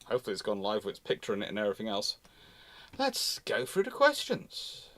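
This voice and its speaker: A man's voice: lowish voice, huge pitch swings, fairly quick, a bit bright. A man hosting a casual live question-and-answer talk, often breaking off and restarting as he speaks. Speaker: host of a naval history livestream.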